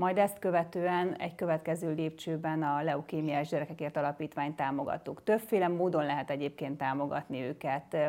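A woman speaks at a moderate pace in a very deep, low pitch with fairly even intonation. The recording is very clean with a silent background. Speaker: doctor and aesthetic clinic director. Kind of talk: casual interview.

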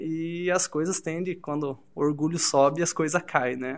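A man with a fairly high pitch and a normal speaking voice talks at a moderate pace with fairly even intonation over a quiet background. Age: 20s. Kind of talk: casual chat.

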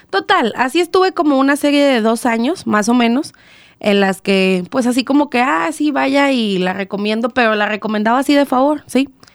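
In a very clean recording with a silent background and a dry, close sound with no echo, a woman speaks at a moderate pace in a plain, everyday voice, fairly high-pitched with lively intonation. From Torreón, Coahuila, northern Mexico. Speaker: entrepreneur, domestic staffing business owner. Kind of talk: casual interview. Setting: radio studio.

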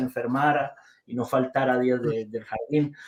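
A man speaks at a fairly slow pace with a normal speaking voice. His intonation stays fairly even. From Costa Rica. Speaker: missionary. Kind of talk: interview.

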